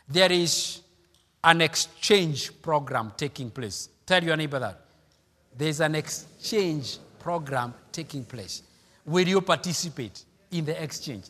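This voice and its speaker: A man's voice: a little high, lively intonation, takes it slowly, a bit bright, big-room sound. A man, preaching an emphatic sermon, repeating his points and calling out hallelujah. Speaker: pastor.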